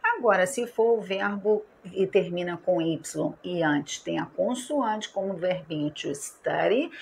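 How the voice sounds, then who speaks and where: A woman's voice: on the low side, vocal fry, a little hiss or hum. A Brazilian woman teaching English grammar in Portuguese. She asks rhetorical questions and answers them herself, stretching out the key words. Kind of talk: explaining grammar to students.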